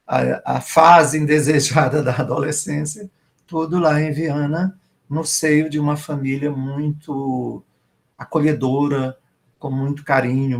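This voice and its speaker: A middle-aged man, a writer and professor speaking as a guest in an online literary conversation, reminiscing warmly and gratefully. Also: on the high side, creaky. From Maranhão, Brazil.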